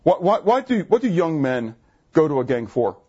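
A pastor with a husky voice delivers an animated sermon in a church assembly room, peppering the congregation with questions. His pitch jumps around and bursts high when he gets excited, though his pace stays normal. The audio is dull.

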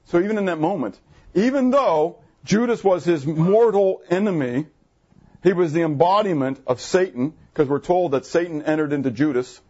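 A man preaching a sermon to his congregation, animated, asking the room questions, with jumps in pitch when he gets excited. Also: moderate pace, slightly rough, lo-fi sound. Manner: jumpy pitch, bursts high when excited. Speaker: pastor. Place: church assembly room.

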